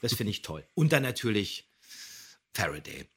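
A man's voice: fairly low pitch, big pitch swings, moderate pace, a bit bright, slightly rough. A man hosting a podcast, giving conversational commentary on audio dramas. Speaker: podcast host.

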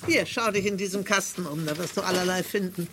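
A woman's voice: fairly low pitch, fast talker, noisy background, close to an everyday voice. An actress playing an obliging female museum archivist in a radio play. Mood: helpful. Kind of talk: 1970s-80s German radio play acting.

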